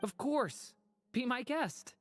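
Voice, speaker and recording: An actor voicing a gentle, earnest boyish young male in a video game, with a courteous manner. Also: very high voice, lively intonation, takes it slowly, faint music behind, exaggerated voice. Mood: welcoming.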